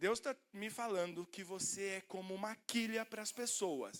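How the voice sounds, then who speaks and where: A man's animated voice with a bright, sharp tone. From Paraná, Brazil (Toledo/Cascavel). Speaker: preacher, teacher. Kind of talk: sermon. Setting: church conference with audience. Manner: casual, animated.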